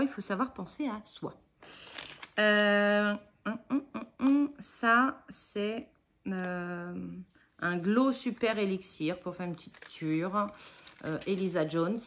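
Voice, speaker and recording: Chatty woman in her forties showing a haul. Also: medium pitch. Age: 40s. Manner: chatty, rambling, self-mocking, many fillers. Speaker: budget haul vlogger. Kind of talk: casual haul vlog.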